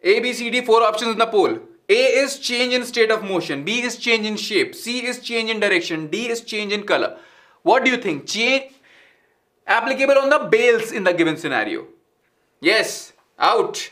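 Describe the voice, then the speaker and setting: A man's voice: high-pitched, moderate pace. A man in his thirties with an Indian English accent, teaching a live online science class in a studio and mixing Hindi with English as he quizzes students. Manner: mixes Hindi and English, asks students questions; animated, gestures while talking. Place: studio with green screen.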